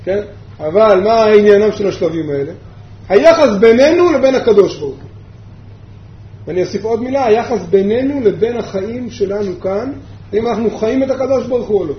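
A man's voice: high-pitched, animated. A man teaching a yeshiva class a Torah lesson, asking his listeners rhetorical questions and repeating his main points. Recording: echoey room, dull sound, faint background hum.

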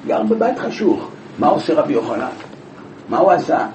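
Male Talmud teacher, animated storyteller, slightly high voice, roomy echo, background noise. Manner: animated, lively storytelling with many rhetorical questions. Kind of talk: Talmud class, explaining a passage. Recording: echoey room from far off, with background noise.

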